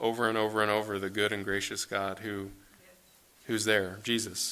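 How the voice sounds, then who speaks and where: A bright, sharp tone from a man with a fairly low pitch and monotone, flat intonation. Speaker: pastor. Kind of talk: sermon. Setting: church.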